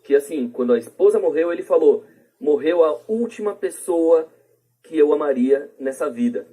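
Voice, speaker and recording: A man's voice: fairly high pitch, lively intonation, moderate pace, warm tone, poor audio. A man with a Brazilian accent explaining things casually through examples as a podcast guest.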